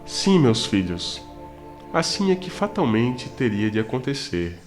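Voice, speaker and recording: Male actor as a tender fatherly priest in a radio play, soft sermon delivery, mid-pitched voice, faint music underneath. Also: natural voice. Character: gentle fatherly priest mentoring spirits. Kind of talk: radio drama acting.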